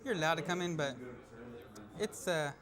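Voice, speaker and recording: A young man co-hosting a casual chat, giving short replies with deadpan jokes. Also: on the high side, normal speed, crowd noise. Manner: deadpan joking. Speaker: co-host.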